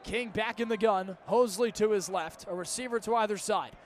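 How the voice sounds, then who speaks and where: A man's voice: sits high, normal speed. A man in his twenties doing live radio football play-by-play in clipped, urgent phrases from a stadium. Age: 20s. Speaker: play-by-play announcer. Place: outdoors at a college football stadium. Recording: outdoor stadium ambience, faint background noise.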